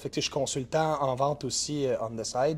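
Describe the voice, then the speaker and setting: A man's somewhat breathy voice at a moderate pace, over light background noise. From Quebec. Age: 40s. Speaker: entrepreneur, networking group cofounder; podcast guest. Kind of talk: casual interview. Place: studio. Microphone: lapel.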